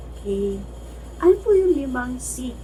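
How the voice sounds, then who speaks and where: A woman is speaking with audible room echo. Noticeable background noise runs under her voice. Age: 60s. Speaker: cancer survivor. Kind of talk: testimony.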